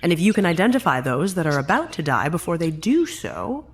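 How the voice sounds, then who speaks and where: A woman playing a diplomatic, authoritative senior official in an audio drama, speaking formally, deliberately and tactfully. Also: on the low side, sing-song, a little hiss or hum.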